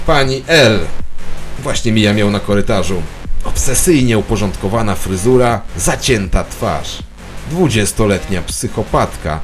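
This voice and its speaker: Over faint music comes a man acting a suspicious office drone narrating his dreary day in an audio drama. His pitch moves in lively swings. He sounds obsessive, conspiratorial and bitterly sardonic. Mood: paranoid, bitter. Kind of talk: scripted audio drama monologue.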